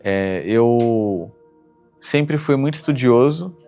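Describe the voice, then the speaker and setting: A man's voice: medium pitch, expressive, takes it slowly, dark tone, faint music behind. A man, a marketer telling his story with careful detail. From Brazil, São Paulo state. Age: 20s. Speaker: marketer and business partner. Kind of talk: documentary-style personal storytelling.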